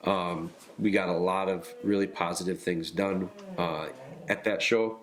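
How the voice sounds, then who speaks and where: A man hosting a podcast with a nasal, congested voice, talking casually and haltingly with frequent pauses and restarts. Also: sits low, steady tone. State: congested from illness. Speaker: podcast host.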